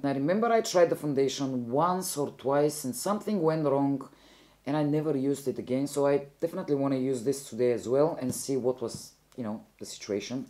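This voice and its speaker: A woman's voice: extremely low pitch, mellow. A young woman from Bulgaria with a Bulgarian accent, chatting casually through a makeup tutorial and often correcting herself mid-sentence. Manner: chatty, rambling, self-correcting. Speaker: beauty vlogger.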